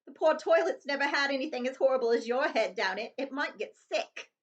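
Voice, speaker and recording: Woman doing a high-voiced cheeky young boy. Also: highs cut off. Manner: quick-witted, polite cheek. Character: cheeky, downtrodden eleven-year-old boy.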